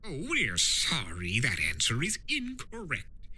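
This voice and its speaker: A man's voice: mid-range voice, wildly swooping pitch, takes it slowly, bright, forceful tone, husky, pitched above the performer's own voice, heavily acted. A man voicing a mischievous chaos spirit from a cartoon, theatrical and swooping in delivery. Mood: teasing. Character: mischievous male chaos spirit, mocking yet remorseful. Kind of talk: dramatic fan fiction reading of a cartoon trickster.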